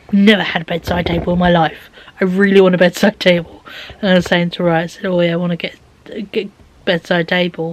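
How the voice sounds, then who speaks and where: Over noticeable background noise, a woman with a British accent talks at a very fast pace in a fairly low pitch with monotone, flat intonation. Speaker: vlogger. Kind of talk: casual vlog chat.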